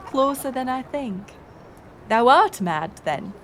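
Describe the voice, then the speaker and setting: A woman's voice: high voice, animated, slight background noise. A woman playing a playful, curious village woman in a romantic audio roleplay, speaking in archaic thee-and-thou English. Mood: teasing, puzzled. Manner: archaic thee-and-thou speech, slow and musing. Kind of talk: romantic audio roleplay acting addressed to the listener.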